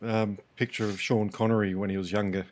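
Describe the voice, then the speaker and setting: A man co-hosting a podcast, speaking haltingly and searching for words in casual chat. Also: fairly low pitch, flat delivery, a little hiss or hum.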